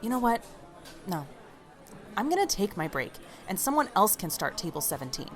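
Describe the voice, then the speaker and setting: Fed-up diner waitress , woman actor, defiant, highly expressive pitch, natural podcast-drama delivery. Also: moderate pace, faint music behind, lightly acted. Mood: indignant. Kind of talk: naturalistic audio drama acting.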